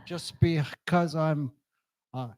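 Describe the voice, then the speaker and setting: Halting man searching for words. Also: fairly even intonation, a little mellow. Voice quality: low voice. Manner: slow, halting, searches for words after strokes. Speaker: congregation member sharing a story. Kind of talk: halting personal testimony. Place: church hall. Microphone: handheld microphone.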